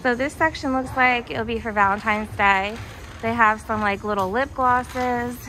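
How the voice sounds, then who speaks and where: Gushing over finds at a discount retail store, a young American woman talks at normal speed in a fairly high voice that sounds pushed and bright. She's a shopping vlogger holding her own camera or phone, and the rough recording carries slight noise and background music.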